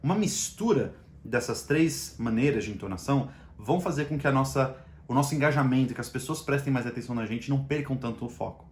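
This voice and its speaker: Brazilian man teaching in an echoey room. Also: fast. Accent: Brazilian Portuguese. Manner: shifts volume and pitch to show emphasis. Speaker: communication trainer. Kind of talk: casual online lesson.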